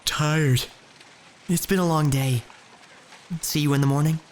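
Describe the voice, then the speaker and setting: An actor playing an earnest, uneasy young shop boy, narrating his own story in a measured, literary way. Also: fairly high pitch, steady tone, slight background noise, close to an everyday voice. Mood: weary, plain. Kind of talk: first-person scripted narration in audio drama.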